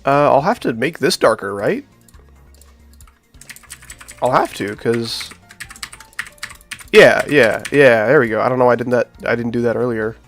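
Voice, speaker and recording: A man's voice: medium pitch, unhurried, long pauses, a bit bright, faint music behind. A man with a nasal voice from being sick, chatting casually to his live-stream viewers while he builds a game level. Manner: chatty, talks to chat while working.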